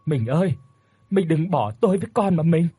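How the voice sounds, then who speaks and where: A man's voice: fairly high pitch, expressive, normal speed, mellow, breathy edge, pitched above the performer's own voice. A man voicing a young village husband wailing in grief for his wife. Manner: wailing, pleading.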